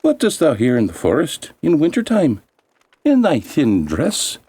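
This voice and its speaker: A man's voice: fairly high pitch, huge pitch swings, unhurried, mellow, husky, no echo, pitched above the performer's own voice, full character voice. A man voicing eager little elf men from a fairy tale, with a sing-song, exclaiming delivery. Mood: eager, curious.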